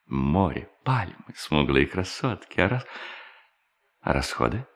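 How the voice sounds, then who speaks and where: A man's voice: a bass voice, big pitch swings, slow pace, heavily acted. An actor playing a sly, gleeful male bank robber posing as a pious hermit in an audio drama, muttering and exclaiming to himself with self-mockery. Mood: scheming. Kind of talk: theatrical audio drama monologue.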